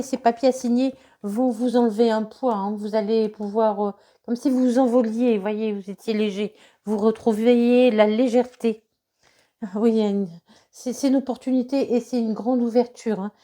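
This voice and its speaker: A woman's voice: a little high, mellow. Woman with a cold, reading tarot. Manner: hesitant, many fillers and repetitions. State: has a cold. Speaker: tarot reader.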